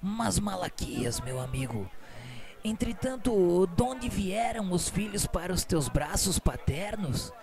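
An actor as a patient, soothing healer, highish voice. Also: male voice, big pitch swings, vocal fry, heavily acted. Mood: gentle, reassuring. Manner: gentle, soothing, measured. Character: patient, kindly male spirit-world healer. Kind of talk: radio novela acting. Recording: music under the voice.

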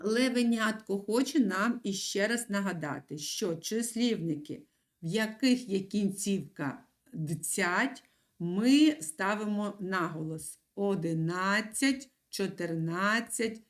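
A woman teacher giving a video lesson to young children, stressing words slowly and clearly with a sing-song lilt. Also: mid-range voice. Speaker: primary school teacher.

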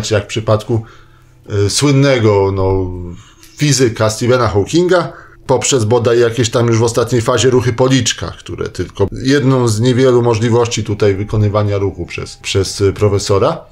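Man giving a discursive spoken column. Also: mid-range voice. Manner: discursive, hedging, with tag questions. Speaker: science columnist on a radio show. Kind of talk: spoken popular-science essay, semi-improvised.

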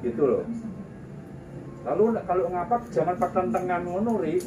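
A man's voice: sits high, animated, normal speed. A man in casual chat, advising a friend at length on his channel. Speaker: friend giving channel feedback. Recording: roomy, far from the mic, loud noise.

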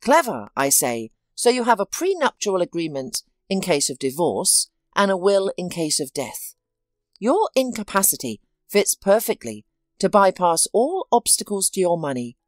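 A woman voicing a composed male law-enforcement officer who speaks in a businesslike, measured way in a storybook reading. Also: lowish voice, very animated, dry recording, clean studio sound, soft background music.

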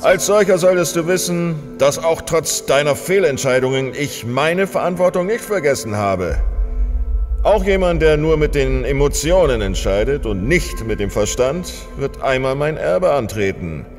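A man acting a stern older father addressing his son in an audio drama. He is pompous and cutting, with big swings of pitch. His voice rings in a long hall reverb over faint music. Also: expressive, normal speed. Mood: scornful, stern. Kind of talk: German science fiction audio drama acting.

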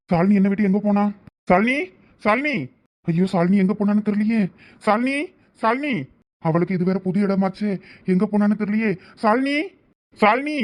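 A man's voice: high-pitched, mellow, lightly acted. A man playing a jealous, devoted young husband in a village drama, with emotional delivery. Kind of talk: village web-series acting.

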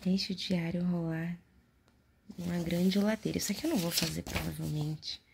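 A Brazilian woman murmurs casual ASMR as if right in your ear. Her low, gravelly voice often drops into a whisper while she reads aloud and adds offhand remarks. The close home recording has clear background noise. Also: steady tone, normal speed. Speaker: ASMR video host. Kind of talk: soft-spoken and whispered ASMR, casual chat. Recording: noisy close home recording, handling clicks.

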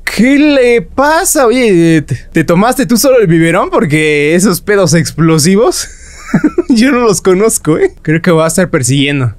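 A man's voice: high voice, big pitch swings, measured pace. A man commenting on a horror game he is playing, joking and breaking into nervous laughs and shrieks. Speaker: gaming YouTuber.

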